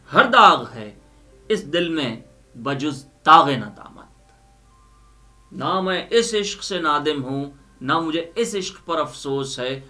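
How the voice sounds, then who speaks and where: A man's voice: a little high, bright, forceful tone. A man giving a dramatic, emphatic poetry recitation and explanation, repeating lines for effect. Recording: music under the voice. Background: music.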